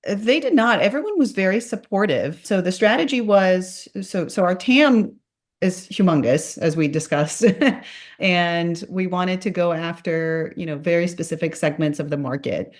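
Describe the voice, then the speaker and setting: A woman in her thirties from Greece, with an American accent and only a faint Greek trace, a little rough from a cold, answers interview questions in an upbeat, conversational way. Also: on the low side, animated, normal speed. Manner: upbeat, laughs easily. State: has a cold. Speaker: podcast guest, marketing executive.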